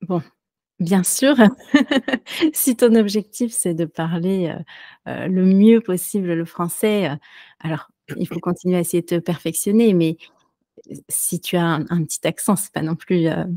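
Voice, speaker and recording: A woman who teaches French, answering interview questions casually with many pauses and fillers. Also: fairly low pitch, dark tone, dry recording. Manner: hesitant, many fillers and restarts, light laughs. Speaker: French teacher and podcaster, guest.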